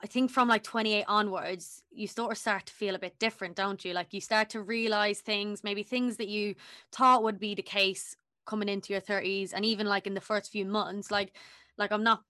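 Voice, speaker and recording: Woman, thirty, podcast host, bright tone, smooth and clear, chatty, rambling. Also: mid-range voice, fairly even intonation, moderate pace.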